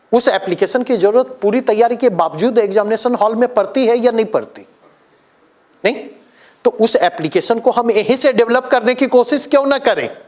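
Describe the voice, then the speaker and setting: Male coaching teacher, high lively voice, emphatic lecture to a class. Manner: emphatic, asks the class questions.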